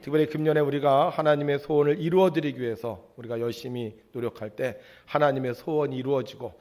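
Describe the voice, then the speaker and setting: A male pastor preaching a sermon, telling a story in an animated way and asking the congregation questions. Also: medium pitch, fast talker.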